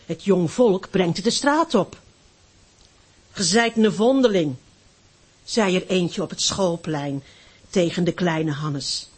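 A woman reading a Christmas story aloud, slow and expressive, dropping very low for the quiet moments. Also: husky. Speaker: story reader.

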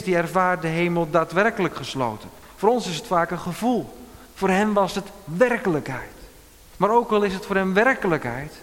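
A man preaching a sermon as pastor, emphatic, with dramatic pauses and quoted lines. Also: on the high side, fairly bright tone, in a large hall.

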